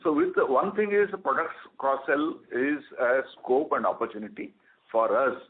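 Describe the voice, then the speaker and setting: A man, a company executive answering analyst questions on a conference call, halting with many fillers. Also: medium pitch, very animated. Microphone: telephone. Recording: phone-line audio.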